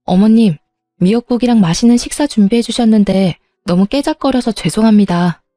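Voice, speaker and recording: A woman narrating a dramatized story in a calm, steady manner and voicing herself in it. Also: a little high, a little fast, no room sound, soft background music.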